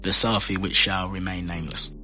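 A man with a Jamaican accent and a low, deep voice teases and banters in a casual podcast chat. His tone is bright and forceful, and faint music plays behind him. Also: level tone, fairly quick. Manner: teasing, playful. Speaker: podcast host.

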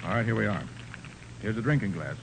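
A confident American private eye, with lively, swinging intonation. He is brisk and wry in the 1940s radio drama manner, heard through the light noise of an old broadcast recording. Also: lowish voice, creaky. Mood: assured, matter-of-fact. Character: confident, dry-witted male private detective.

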